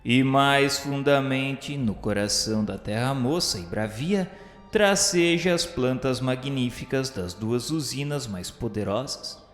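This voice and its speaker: A Brazilian man narrating a historical religious radio drama in a formal, declamatory, measured way. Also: mid-range voice. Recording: echoey long reverb with background music. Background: instrumental music.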